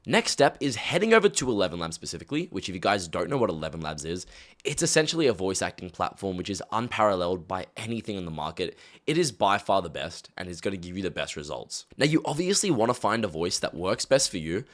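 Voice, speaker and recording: A man's voice: low voice, sing-song, quick pace. A man giving a casual screen-recorded tutorial, talking in a chatty, direct way with lots of fillers. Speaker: YouTube automation coach.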